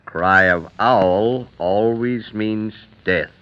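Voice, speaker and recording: A solemn Native American witness in an old radio play, answering in terse broken English. The voice is deep and smooth, with very slow delivery and a dull vintage sound. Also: male voice. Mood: solemn, explaining. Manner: deliberate, terse broken English without articles. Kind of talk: old radio drama acting.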